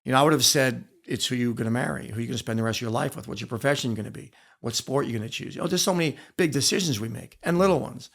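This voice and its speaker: A man's voice: medium pitch, very fast, gravelly, few pauses, fairly bright tone. A middle-aged American man telling personal stories in an interview, speaking earnestly and emphatically, repeating phrases for weight. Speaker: podcast guest, author and former wrestler. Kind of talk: reflective personal storytelling in an interview.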